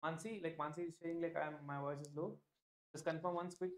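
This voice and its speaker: A man's voice: on the high side, fairly even intonation, a little fast. A young man with an Indian English accent, teaching an exam-prep lesson live to online viewers in a chatty, repetitive way. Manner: chatty, repeats himself, many "like" fillers, addresses viewers by name. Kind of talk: live-stream lecture.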